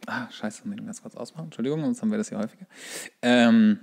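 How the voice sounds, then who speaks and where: Man, thirties, medium pitch, casual podcast co-host, joking, rambling. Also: fast talker, gravelly, darkish tone. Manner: jokey, colloquial, rambling. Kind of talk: casual comedic podcast chat.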